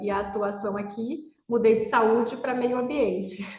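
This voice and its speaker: A woman speaks at a moderate pace in a fairly high pitch. Audible room echo surrounds her voice. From Brazil, Piauí (Teresina). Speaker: legislative consultant, biologist. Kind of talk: interview conversation.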